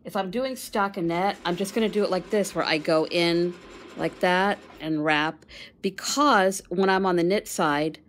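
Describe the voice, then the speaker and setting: A woman with a fairly low voice patiently explains her knitting, step by step, in a relaxed, casual way. She talks as though sitting beside a friend. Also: unhurried, a little hiss or hum. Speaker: guest knitter. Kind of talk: casual demonstration.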